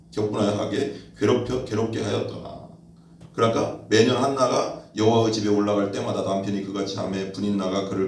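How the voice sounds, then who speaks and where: Male pastor, low voice, chatty sermon style with rhetorical questions, recorded from a distance in a very echoey church room. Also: a little mellow, a little hiss or hum. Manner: conversational preaching, rhetorical questions, acts out quoted voices. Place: church hall.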